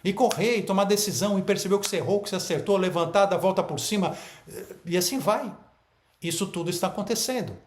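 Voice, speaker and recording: A man's voice: high-pitched, fast talker, echoey room. A man giving a spiritual talk to an online audience, emphatic and full of rhetorical questions and repeated phrases. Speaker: spiritual teacher.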